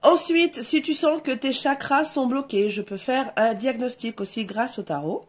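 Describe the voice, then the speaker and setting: A French woman with a cold and a stuffy nose, giving a casual tarot reading, hesitant with many fillers. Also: fairly high pitch. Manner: slow, hesitant, many fillers, addresses viewers warmly as her "essentiels". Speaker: tarot reader. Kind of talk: casual tarot guidance vlog.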